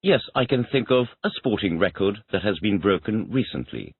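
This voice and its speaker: During an English lesson, a student with a fairly low, slightly rough voice responds animatedly at a moderate pace, echoing every question back as a complete sentence. The sound is tinny and dry, like a phone.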